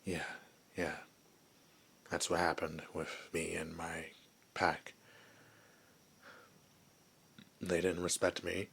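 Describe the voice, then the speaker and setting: A man playing a gentle, lonely werewolf who was once human, in a soft, hesitant, confiding ASMR roleplay voice. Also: low-pitched, level tone, slow, creaky, slightly rough, exaggerated voice. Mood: hurt, confiding. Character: gentle, lonely male werewolf, former human, wistful outcast.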